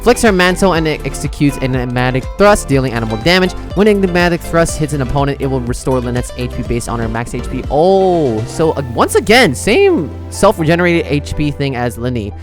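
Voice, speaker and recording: A man's voice: a little high, very animated, a little fast, few pauses. Man giving casual gaming commentary over music. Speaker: gaming content creator and streamer. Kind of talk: casual reaction commentary, reading game text aloud. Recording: music behind the voice.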